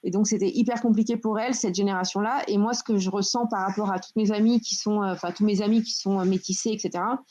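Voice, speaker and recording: A woman's voice: mid-range voice, fairly even intonation, fast talker, hardly any pauses, dark tone. A woman in her twenties from France, talking in a casual group discussion and searching for her words as she goes. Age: 20s. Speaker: discussion guest. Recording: dull lo-fi sound.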